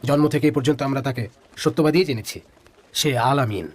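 A man's voice: mid-range voice, fairly quick, a little mellow, close to an everyday voice. A man voicing a questioning tribal elder in a dubbed drama, with a demanding manner. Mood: probing.

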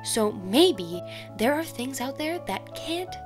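A woman's voice: high-pitched, big pitch swings, slow, over music, heavily acted. An actress playing a supportive, chatty young woman, a college friend, in a casual audio drama style. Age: young adult.

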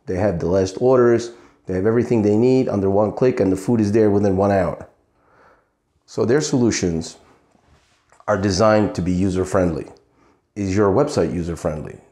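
A middle-aged man giving an earnest scripted sales pitch to camera, asking rhetorical questions. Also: warm tone, roomy sound. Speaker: web agency owner pitching to restaurants. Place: indoor studio in front of a logo backdrop. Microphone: fixed camera, seated medium shot.

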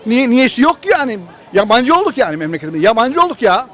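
A man's voice: very high-pitched, sing-song, fast, a bit bright, poor audio. A man in his sixties in a street interview, complaining in an aggrieved, repetitive, exclamatory way. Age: 60s. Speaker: passerby interviewee.

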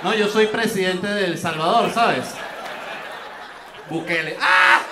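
A man's voice: high voice, distant mic. A man in his forties with a Venezuelan accent doing crowd-work stand-up comedy, teasing audience members in playful banter. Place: theater stage. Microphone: handheld microphone. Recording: roomy stage sound, audience noise.

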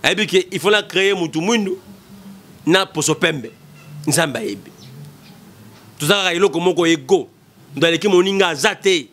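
A man's voice: on the high side, animated, normal speed, pauses often, fairly bright tone, slight background noise. A man in his thirties with a Congolese accent, giving impassioned political commentary into a desk mic in a small studio, emphatic and repetitive. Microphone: desk mic in front.

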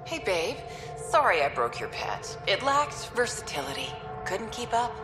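A cruel alien villainess, mocking and taunting. Her pitch swings playfully in an echoing game message, with music clearly underneath. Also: sing-song, measured pace. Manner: mocking, sing-song. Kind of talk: video game dialogue acting. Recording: echoing playback of a recorded message.

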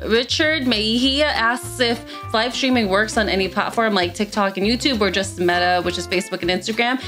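Chatty young woman answering viewer questions. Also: fairly bright tone. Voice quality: fairly high-pitched voice. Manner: chatty, lots of "like" and "um" fillers. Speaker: tech reviewer. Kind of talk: casual Q&A talk to camera. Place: small room with gaming chair and LED lights, indoors.

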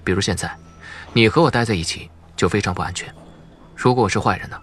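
A man voicing a calm, watchful adult man, matter-of-fact and cautionary, frank with children, in an audiobook story. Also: lowish voice, fast talker, slight background noise, lightly acted. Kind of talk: audiobook character dialogue.

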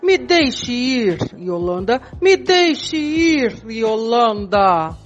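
Older woman as an anguished, drawn-out departing lover. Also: a little high, sing-song, exaggerated voice. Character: anguished lover walking out after quarrels. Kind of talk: improvised amateur radio soap opera acting. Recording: muffled lo-fi audio with music.

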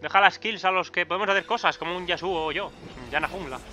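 Excitable high-voiced Spanish gamer. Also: male voice, fast talker, music in the background. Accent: Peninsular Spanish. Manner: excitable, swearing, frequent loud outbursts. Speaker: gaming YouTuber. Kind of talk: live gameplay commentary.

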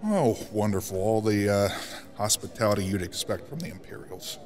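An actor playing a friendly, wry veteran rebel colonel in a sci-fi audio drama, with a casual manner. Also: male voice, fairly low pitch, animated, moderate pace, a little mellow, soft background music, natural voice. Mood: wry, cheerful. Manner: casual, joking, hesitant asides.

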